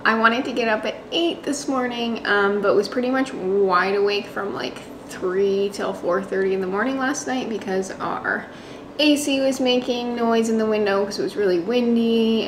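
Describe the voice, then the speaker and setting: A woman's voice: medium pitch, noisy background. A woman fitness vlogger chatting casually at home, explaining what she makes as she goes. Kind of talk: casual vlog chat. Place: home kitchen.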